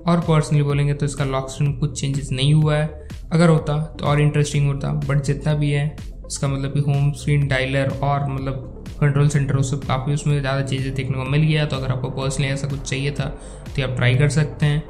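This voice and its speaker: Slightly hoarse young man, flat delivery. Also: fairly high pitch, a little fast, soft background music. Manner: rambling, filler-heavy casual talk. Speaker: tech YouTuber. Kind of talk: casual phone theme review voice-over.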